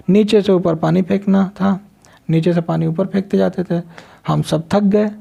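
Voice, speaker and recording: Gravelly-voiced man teaching a story. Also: fairly high pitch, warm tone. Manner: reads a line then explains it in simple words; asks the class questions and answers them himself. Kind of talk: Hindi literature lesson explaining a story.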